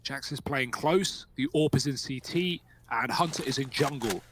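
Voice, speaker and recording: A man's voice: mid-range voice, normal speed, a bit bright. A man giving esports commentary as caster and analyst, explaining the play in a conversational way with running asides.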